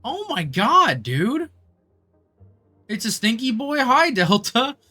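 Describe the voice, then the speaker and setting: A streamer giving casual live gameplay commentary in an informal, expressive way, with plenty of swearing. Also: medium pitch, slow. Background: game music.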